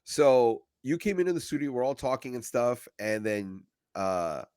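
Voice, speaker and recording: A man with a mid-range voice co-hosting a podcast, telling stories in lively casual chat. He stammers now and then and acts out what people said. The sound is dry and close. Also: medium pitch, normal speed, clean tone, no echo. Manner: animated storyteller, stammers, acts out quotes. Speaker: podcast co-host.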